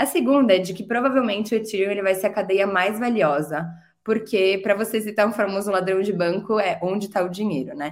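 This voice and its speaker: This woman talks at a very fast pace and a medium pitch. Her pitch varies in an ordinary way. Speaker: podcast host. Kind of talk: podcast discussion.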